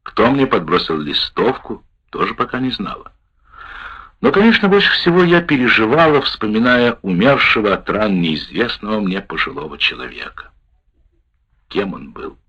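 A man reading a wartime memoir aloud in the first person, with a measured, expressive delivery. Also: lowish voice, slightly rough. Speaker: narrator. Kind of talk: audiobook narration of a wartime memoir. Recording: dull lo-fi recording.

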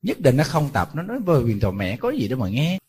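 A man's voice: medium pitch, wildly swooping pitch, fast talker, a little mellow. A man, a Buddhist monk giving a sermon, telling stories in a conversational way and throwing rhetorical questions at his listeners.

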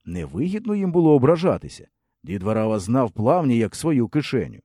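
A man narrating a storybook in a lively, expressive way. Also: mid-range voice, brisk, dry recording, studio quality. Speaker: audiobook narrator. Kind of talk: storybook reading.

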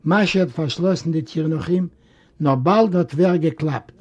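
Male storybook narrator from Eastern Europe, measured; high voice, dark mellow tone. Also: slightly rough. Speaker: audiobook reader.

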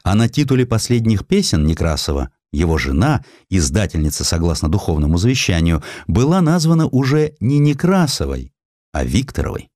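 Low-voiced, highly expressive male storyteller. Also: fairly quick, dry recording, studio quality. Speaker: audiobook narrator. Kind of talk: dramatized scripted narration of a historical story. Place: dry studio.

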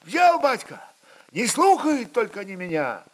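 A man voicing an eager, loyal peasant rebel who shouts back to his chief with rustic speech in a historical story. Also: sits high, wildly swooping pitch, unhurried, voice pushed up, full character voice. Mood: eager, harried.

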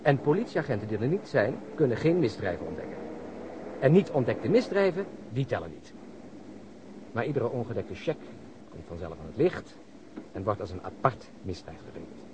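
An actor playing a wry, talkative police detective in a radio play, explaining things at length. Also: male voice, mid-range voice, very animated, normal speed, natural voice. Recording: noisy old radio recording.

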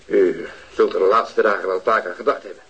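An actor playing a patient, methodical police detective in a radio drama. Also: male voice, low voice, fairly even intonation, fairly quick, fairly bright tone, dull audio. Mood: polite. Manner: polite, methodical questioning. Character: patient police detective, middle-aged man.

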